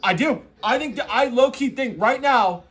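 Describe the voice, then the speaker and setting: A man talking like an excitable frat bro, hosting a casual, off-the-cuff sports reaction full of slangy asides. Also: very high-pitched, moderate pace. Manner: excitable frat-bro talk, heavy on "bro" and "dude". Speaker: host reacting to a tournament bracket.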